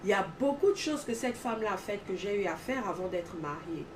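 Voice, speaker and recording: A woman speaks in an earnest testimony style, stacking emphatic repeated phrases. Her voice is mid-pitched and sits away from the microphone. A faint noise runs behind her. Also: lively intonation, a little fast, recorded from a distance. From Gabon.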